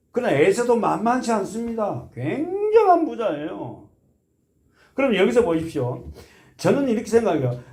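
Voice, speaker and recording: A man preaching a sermon as pastor, emphatic and full of questions to the congregation, with folksy asides and led group readings. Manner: emphatic, swings between soft low asides and loud impassioned appeals. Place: church sanctuary.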